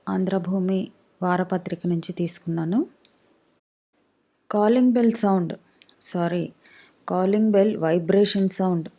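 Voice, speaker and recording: Mellow-voiced woman reading a comic story. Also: fairly low pitch. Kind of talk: reading a humorous story aloud.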